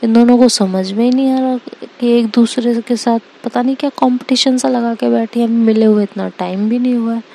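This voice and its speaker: A woman's voice: a little high, steady tone, a little fast, creaky, warm tone. A woman voicing an exasperated young woman caught between two girlfriends, complaining dramatically in a storybook reading.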